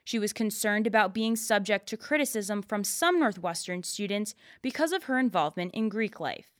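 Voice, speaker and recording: A woman's voice: medium pitch, lively intonation, moderate pace, no room sound, studio quality. A young woman narrating a scripted news report as a student radio reporter. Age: young adult.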